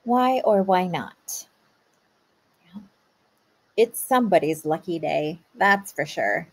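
A woman teacher pausing a read-aloud to ask young children patient questions about the story. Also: on the low side, expressive. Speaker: kindergarten teacher.

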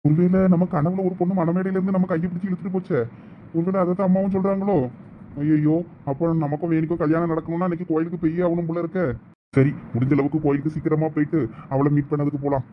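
A man's voice: a little high, level tone, quick pace, phone-quality sound, slight background noise, close to an everyday voice. A man in a village comedy skit, playing an impatient young son who bickers with his mother and friend. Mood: worried. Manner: exasperated, bickering.

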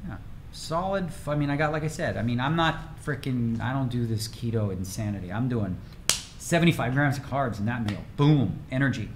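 A man's voice: mid-range voice, brisk, slight background noise. A man in his forties chatting energetically and rambling while streaming a game from his home room. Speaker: poker streamer. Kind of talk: casual livestream chat.

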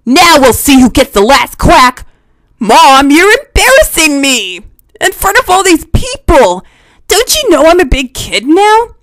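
Lady voicing a spunky anime kid hero, high bouncy voice, kinda slow, eager. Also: very animated, a bit bright, dry recording, full character voice, rough recording. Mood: excited. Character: eager spirited boy hero, about ten. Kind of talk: cartoon voice impression demo.

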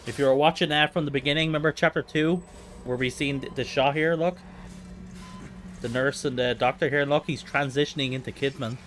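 A man's voice: medium pitch, steady tone, a little fast, a bit bright, faint music behind. A man giving casual live commentary as he plays a video game, with playful asides. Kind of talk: casual gaming livestream commentary. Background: horror game sound.

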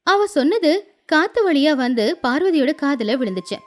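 High-voiced woman narrating a bedtime story. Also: big pitch swings, normal speed.

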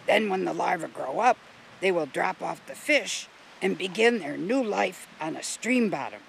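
A man playing a patient, knowledgeable man who calmly explains nature in a storybook. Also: sits high, normal speed, gravelly, a little hiss or hum, exaggerated voice. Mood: reassuring. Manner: calm, explanatory.

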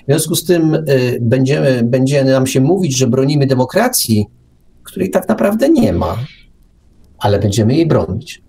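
A man's voice: medium pitch, big pitch swings, normal speed, gravelly, warm tone. Sarcastic man commentating over background noise. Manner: sarcastic, rhetorical, emphatic, hesitant repetitions. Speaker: radio show co-host and commentator. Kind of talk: opinionated conversational monologue.

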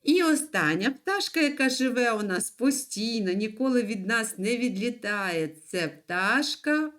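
Вчителька початкових класів проводить онлайн-урок для маленьких дітей, повільно й наспівно розтягуючи склади. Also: female voice, on the high side, lively intonation, a bit bright. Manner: slow, sing-song, stretches syllables. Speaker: primary school teacher. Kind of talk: online lesson for young children.

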